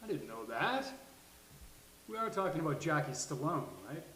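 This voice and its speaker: A man's voice: fairly high pitch, sing-song, normal speed, a bit bright. A man reading a witty, coaxing gay best friend in a live sitcom table read. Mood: wry. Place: live venue with studio audience. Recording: roomy live venue, faint hiss.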